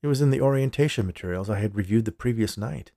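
Lower-voiced man narrating fiction, very dry sound. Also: quick pace, creaky, warm tone, dry recording. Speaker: writer, narrator and podcast host. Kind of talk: scripted first-person fiction narration.

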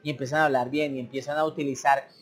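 A man's voice: mid-range voice, level tone, fast. A man giving a casual, repetitive language lesson, sometimes acting out beginners' broken speech. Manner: conversational, repetitive, acts out learners' broken speech. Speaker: English teacher. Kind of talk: informal teaching monologue.

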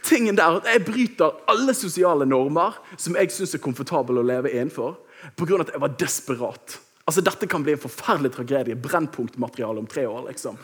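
A man in his thirties preaching a sermon, telling a personal story with lively, acted-out moments. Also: on the high side, husky. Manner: lively storytelling, acts out shouting.

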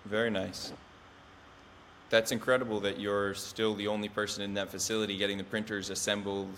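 Low-voiced male podcast host. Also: level tone, a little fast, a bit bright, a little hiss or hum. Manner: brief interjections and affirmations. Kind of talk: casual interview questions.

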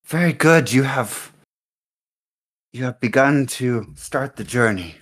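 A man's voice: mid-range voice, expressive, takes it slowly, fairly bright tone. A man narrating as game master in an improvised tabletop game, rambling with many ums and likes over a voice call.

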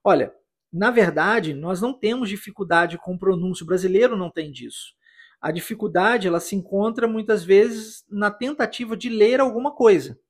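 A Brazilian man with a Brazilian Portuguese accent hosting a podcast English lesson, explaining slowly and patiently and repeating phrases for the listener. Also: high-pitched, slightly rough. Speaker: English teacher and podcast host.

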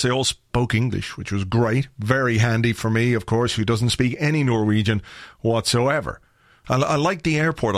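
Croaky Irish man rambling on a podcast. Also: medium pitch, no echo, studio quality. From Ireland. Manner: rambling, wry and chatty, with filler words. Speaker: podcast host. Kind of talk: casual solo podcast chat.

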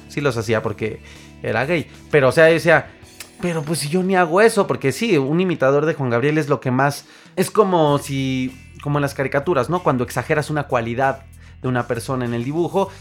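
A man with a Mexican accent, a podcast host and singer, telling stories in a casual, animated monologue full of fillers and restarts. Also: medium pitch, fairly quick, faint music behind. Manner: animated storyteller, acts out quoted voices, frequent fillers and restarts.

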